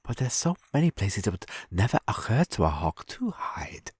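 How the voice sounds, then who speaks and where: A man's voice: lowish voice, sing-song, moderate pace, darkish tone, breathy edge, dry recording, clean studio sound. A man playing a cunning Nazi officer who explains his hunt in a smug, methodical, menacing film monologue.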